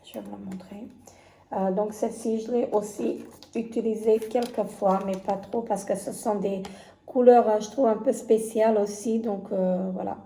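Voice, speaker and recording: A woman casually reviewing her makeup palettes, talking haltingly with many fillers and restarts. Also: medium pitch, fairly even intonation, gravelly, warm tone, roomy sound, a little hiss or hum. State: has conjunctivitis. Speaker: beauty vlogger.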